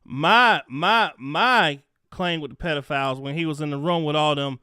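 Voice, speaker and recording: A man's voice: on the high side, normal speed, pushed and bright, clean tone, dry recording, studio quality. A man hosting a live stream debate, pressing his guest with pointed questions.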